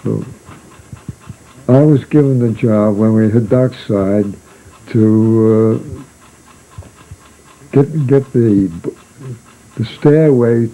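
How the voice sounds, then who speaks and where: An older man tells a spoken memoir of his seafaring days in a gravelly, very dark voice. His delivery is slow, halting and rambling, with many restarts and fillers. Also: medium pitch, poor audio.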